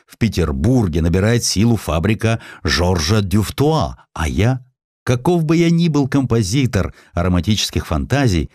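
A man's voice: fairly low pitch, a little mellow, no echo, studio quality. A man narrating a historical essay as a scripted audiobook, reading expressively and acting out the quotes.

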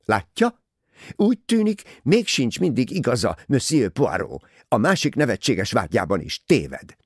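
A man's voice: medium pitch, big pitch swings, breathy edge, dry recording, clean studio sound, voice pushed up. A man voicing a defiant, nervy young woman in an audiobook, snapping with indignation. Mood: scornful, irritated.

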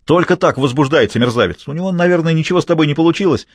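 A man voicing a jealous, hot-tempered man yelling crude insults at his girlfriend. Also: a little high, very fast, husky, dry recording, clean studio sound, voice pushed up. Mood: yelling, contemptuous. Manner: yelling, contemptuous.

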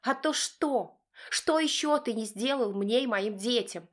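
A woman voicing a furious, hysterical wife who shrieks accusations in a raised, shrill voice. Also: unhurried.

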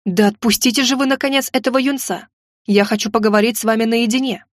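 A woman reading the lines of a stern, haughty male king in an audiobook, low and insinuating. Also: fairly even intonation, fast talker, dry recording, clean studio sound, close to an everyday voice. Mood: imperious.

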